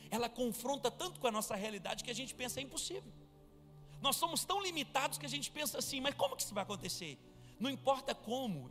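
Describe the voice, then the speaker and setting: Fervent preacher, high voice, reverberant hall. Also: male voice, fairly bright tone. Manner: fervent preaching, calls the church to respond. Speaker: pastor. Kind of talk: live sermon. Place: church. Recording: reverberant church hall with music.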